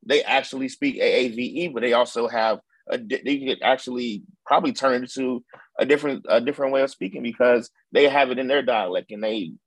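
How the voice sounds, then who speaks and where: African American accent, man, medium pitch, casual explanatory delivery, frequent check-in phrases, dry room. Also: fairly quick, no echo, low-quality recording. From United States. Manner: explanatory, peppers talk with "you know what I mean".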